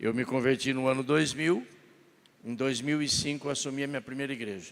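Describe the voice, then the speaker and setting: His intonation stays fairly level. The man's pitch sits in the medium range. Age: 60s. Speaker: pastor. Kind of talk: sermon. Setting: church.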